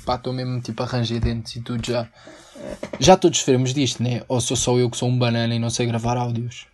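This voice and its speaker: A man's voice: medium pitch, level tone, fast, a little mellow. Young guy from portugal, portuguese accent, just rambling casually on his own podcast, slangy, jumps around. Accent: European Portuguese. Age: young adult. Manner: rambling and slangy, breaks into mock singing. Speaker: podcast host. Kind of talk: casual solo podcast chat.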